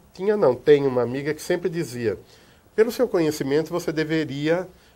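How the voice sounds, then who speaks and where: At a fairly quick pace, a man talks with lively intonation, a fairly high pitch, and a dark, mellow tone. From Bauru, São Paulo state interior, Brazil. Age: 70s. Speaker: author and retired geography teacher. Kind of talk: TV interview. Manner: hesitant, repeats words.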